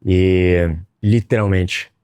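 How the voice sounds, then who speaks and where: Blunt, low-voiced Brazilian man telling a story. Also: steady tone, very slow, darkish tone, clear, resonant tone, no echo, clean studio sound. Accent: Brazilian Portuguese. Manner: blunt, profane, emphatic; addresses viewers as "rapaziada". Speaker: online business educator. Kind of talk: motivational personal storytelling.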